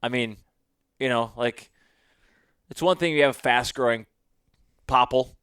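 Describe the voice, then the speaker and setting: A man's voice: mid-range voice, unhurried, a bit bright, clear, resonant tone, no room sound. A man hosting a casual chat, blunt and opinionated, swearing freely.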